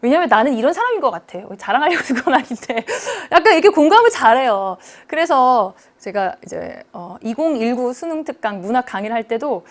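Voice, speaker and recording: A woman teacher giving a lecture, lively and engaging, often checking in with her students as she explains. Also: high voice, brisk, hardly any pauses.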